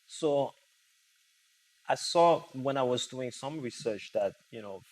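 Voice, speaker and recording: A man's voice: mid-range voice, slow, darkish tone, poor audio. A man hosting a music podcast, asking his guest questions with enthusiasm. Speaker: podcast host. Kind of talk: interview questions.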